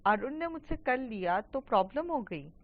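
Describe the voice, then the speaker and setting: A woman's voice: a little high, sing-song, normal speed, muffled recording. A woman voicing a confident teenage schoolgirl who argues with probing questions. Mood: challenging.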